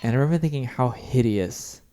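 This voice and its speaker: A man with a warm, mellow voice chats casually as a podcast co-host. He is wry and loose, often breaking off mid-thought before picking the sentence back up. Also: medium pitch, brisk. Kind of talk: casual chat.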